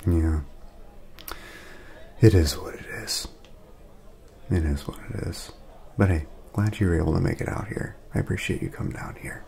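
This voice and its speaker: A man speaking softly in a casual ASMR roleplay, laid-back and friendly, chatting as if to a friend. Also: sits low, normal speed, pauses often. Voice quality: soft, breathy at times, creaky.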